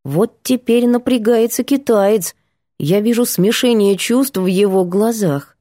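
A woman narrates a first-person novel with expressive, ironic storytelling. Her voice is mellow and mid-pitched. The recording is dry and close. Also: a little slow, no room sound. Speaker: audiobook narrator.

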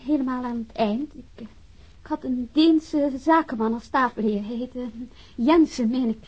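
An actress playing a guarded, evasive witness in a radio drama, speaking hesitantly and with cool politeness. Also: female voice, sits high, moderate pace, darkish tone. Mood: guarded, polite. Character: guarded, evasive female witness under police questioning. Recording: dull lo-fi radio drama recording.

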